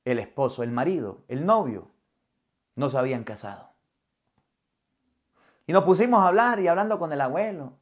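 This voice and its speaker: A man's voice: on the high side, animated, normal speed, long pauses. A middle-aged male priest giving a sermon, telling a personal story and acting out the dialogue vividly. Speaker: Catholic priest.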